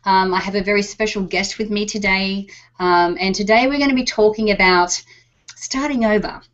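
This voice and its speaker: A woman's voice: medium pitch, normal speed. Woman hosting a talk show, casual and filler-heavy, muffled recording. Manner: warm-up chatter with many fillers like um and you know. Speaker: show host. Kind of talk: conversational interview. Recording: dull lo-fi recording.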